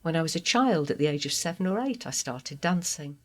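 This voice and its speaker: A trans woman from Guatemala whose native language is Spanish tells her life story as a guest in a personal testimony interview. Her voice is low with lively intonation, and her manner is earnest, heartfelt and measured.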